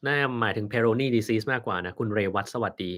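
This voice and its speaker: A man's voice: on the low side, normal speed, a bit bright. A man, a doctor, reading out viewer questions on a live stream and answering them bluntly, with a dry sense of humor.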